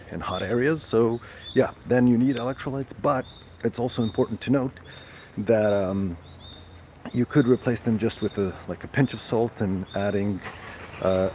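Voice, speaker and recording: A very low-pitched man chats casually with his live-stream viewers. He talks slowly and haltingly, stopping often for fillers and restarts. Faint ambient sound sits behind him. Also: noisy background. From Serbia.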